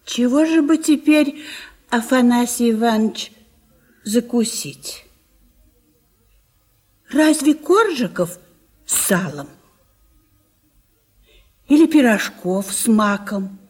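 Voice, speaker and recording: An actress playing an attentive old country wife in a radio play, solicitous and gently coaxing. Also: female voice, a little high, lively intonation, takes it slowly, long pauses. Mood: caring, coaxing.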